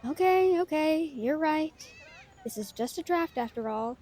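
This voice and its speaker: A woman's voice: high voice, expressive, a little slow, mellow, faint music behind. A woman playing a playful, self-doubting young novelist, chatty and teasing, in an intimate audio roleplay addressed to a friend. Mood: musing, casual.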